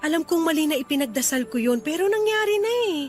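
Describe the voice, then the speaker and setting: Isang babaeng gumaganap sa dramang pag-ibig sa radyo bilang prangka at malungkot na dalagang nakikipaghiwalay sa nobyo. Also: female voice, high voice, expressive, fast talker, soft background music. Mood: defensive. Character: unhappy young woman bluntly breaking up with her boyfriend. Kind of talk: radio romance drama acting.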